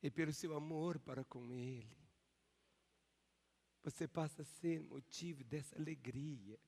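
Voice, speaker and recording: A man's voice: fairly high pitch, a little slow, gravelly, darkish tone, husky. An older man preaching a sermon in a large church as pastor, driving the congregation to repeat words back to him. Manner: emphatic preaching with call-and-response. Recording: long church hall reverb.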